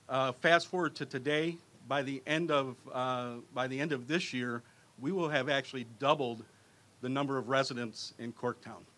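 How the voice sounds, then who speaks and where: Man with a mid-range voice, halting outdoor ceremony speech full of fillers. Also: medium pitch, fairly bright tone. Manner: halting, with many fillers and restarts. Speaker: neighborhood representative. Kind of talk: public speech.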